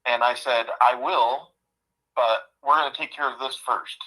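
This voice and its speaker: A guest in his fifties tells a personal story over what sounds like a phone line, heartfelt and halting, doubling back and repeating himself. His mid-range voice is bright and forceful, with a steady tone.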